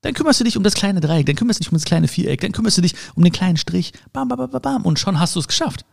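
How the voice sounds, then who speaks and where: A man delivers a casual motivational monologue, speaking directly to the listener with rhetorical questions and playful sound words. His voice sits high and creaky, and he talks rapid-fire. The delivery is animated.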